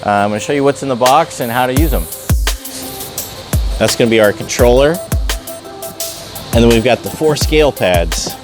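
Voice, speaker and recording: A man's voice: mid-range voice, normal speed, long pauses, over music. A man presenting a product tutorial in an informal, plain-spoken, unscripted way, as someone who works hands-on in a shop. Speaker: race car builder presenting a product tutorial. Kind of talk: casual hands-on product demonstration.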